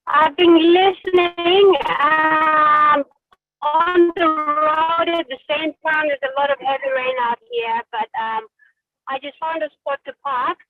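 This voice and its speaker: A woman from Papua New Guinea joining a video call by phone from a parked car in heavy rain, speaking slowly and haltingly. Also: high voice, fairly even intonation. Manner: slow, halting. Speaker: call participant. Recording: tinny phone line with loud music.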